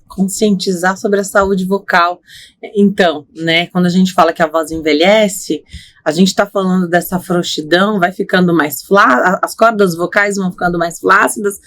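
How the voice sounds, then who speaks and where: A woman's voice: fairly low pitch, fairly even intonation, moderate pace, a bit bright. A woman hosting a podcast who interviews a guest with conversational questions and short affirmations. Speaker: podcast host.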